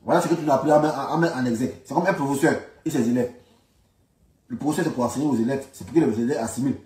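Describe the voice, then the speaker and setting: A man's voice: mid-range voice, very fast, darkish tone. A man with an Ivorian French accent giving informal political commentary, insisting on his points and repeating his phrases emphatically. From Ivory Coast. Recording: roomy echo, distant from the mic.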